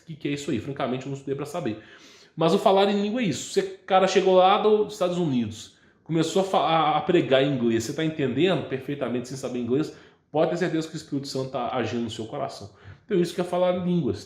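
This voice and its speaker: A man with a Brazilian Portuguese accent hosts a channel and answers viewer questions in a casual, rambling way, often stopping to check with a quick "tá?". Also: on the high side, a little mellow, roomy sound. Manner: rambling, restarts words, ends phrases with a checking "tá?". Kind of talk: casual religious talk.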